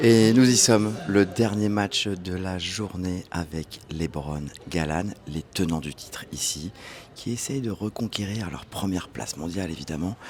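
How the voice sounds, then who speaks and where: Noticeable background noise runs under the recording. Over it, a man talks with a very deep, low pitch. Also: ordinary pitch variation, fairly slow pace. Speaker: vlogger interviewing players. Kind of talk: casual vlog and interview. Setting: at a padel tournament venue.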